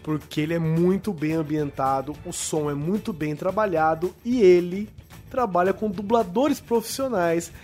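A Brazilian man with a slightly high-pitched voice presents a podcast. He chats casually and recommends a show over background music. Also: moderate pace, darkish tone. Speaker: podcast host.

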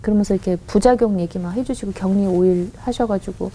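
A woman guest on a radio interview, earnestly recounting a personal story with halting restarts and quoted voices. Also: medium pitch, warm tone, a little hiss or hum, poor audio. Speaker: guest, company head.

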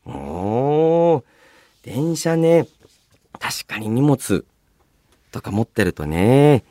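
A man hosting a casual solo radio show, chatting and reading out listener mail in a polite but chatty, animated way. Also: mid-range voice, extremely slow, dry recording, clean studio sound. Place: radio studio, dry sound.

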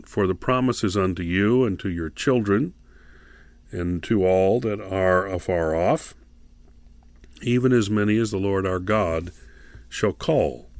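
A man with a fairly low voice hosts a Christian radio devotional from a studio. He speaks deliberately, as both announcer and Bible teacher, going back over details for his listeners. The sound is dry and close, with very little room in it. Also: no echo.

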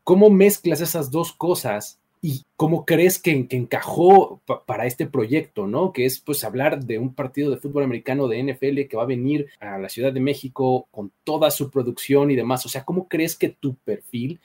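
A man with a husky, mid-pitched voice, co-hosting and asking long, winding questions. He strings his questions together casually with filler tags. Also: normal speed, few pauses, dark tone. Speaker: co-host.

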